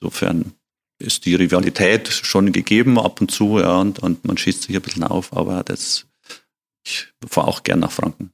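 Dry and close with no echo, a man's very deep, low voice comes through. He keeps a moderate pace and fairly even intonation. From Upper Palatinate, Bavaria (Amberg-Sulzbach district). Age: 50s. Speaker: communication designer and book publisher. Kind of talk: casual interview. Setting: studio. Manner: hesitant, many fillers.

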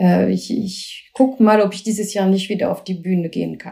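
Somewhat breathy and dark, mellow in tone, a woman talks with a French accent and ordinary pitch variation. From grew up in Bordeaux, France. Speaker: podcast guest, singer-songwriter. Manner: hesitant, frequent fillers and repetitions.

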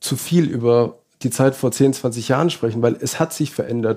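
With a dark, mellow tone at medium pitch, a man talks at a moderate pace with ordinary pitch variation. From Bavaria. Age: 30s. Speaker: DJ and club booker. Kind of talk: live podcast interview. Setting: stage with live audience.

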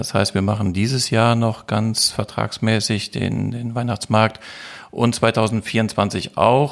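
A man speaks at a very slow pace. His intonation is flat and monotone. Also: medium pitch for a man. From Siegen, Germany. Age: 50s. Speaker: Christmas market organizer and ad agency owner. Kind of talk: casual interview. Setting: office of his advertising agency.

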